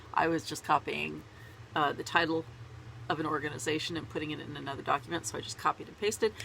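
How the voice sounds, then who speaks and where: Congested woman with a gravelly voice. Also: low voice, a bit bright, slight background noise, rough recording. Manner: rambling and chatty, laughs at herself. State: congested with a cold. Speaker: knitting vlogger. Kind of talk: casual chat to camera. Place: small home closet.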